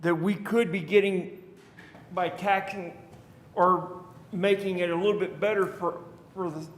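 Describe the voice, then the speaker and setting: In a reverberant council chamber, a citizen steps up to the podium microphone to give public comment. His high voice moves at a measured pace with fairly even intonation, and his talk is conversational and rambling, with restarts.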